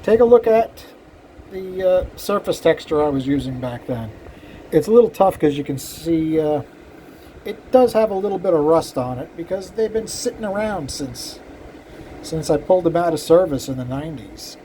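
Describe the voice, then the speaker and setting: A man's voice: fairly high pitch, lively intonation, moderate pace, dark tone, slight background noise, rough recording. An older man, a cylinder head porter, casually talking shop to his viewers in a rambling, self-deprecating way with many fillers. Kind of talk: casual shop talk to camera.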